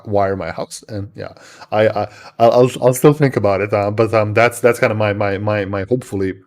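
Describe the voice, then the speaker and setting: Low-voiced man from Serbia, halting delivery. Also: darkish tone. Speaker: live stream co-host. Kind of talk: casual tech chat.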